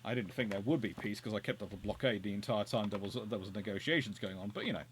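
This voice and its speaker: A man's voice: lowish voice, fast, a little hiss or hum. A man with a Surrey English accent chatting casually and joking while he plays a naval strategy game live. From England. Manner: chatty, jokey, thinking aloud with restarts. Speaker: game streamer, host. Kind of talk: casual live gameplay commentary.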